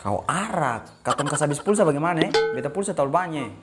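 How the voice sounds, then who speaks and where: A man's voice: a little high, expressive, fast. A young man from eastern Indonesia with an Ambonese Malay accent, hosting prank calls in casual, playfully insistent banter. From Maluku, eastern Indonesia. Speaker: prank-call host. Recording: music playing behind.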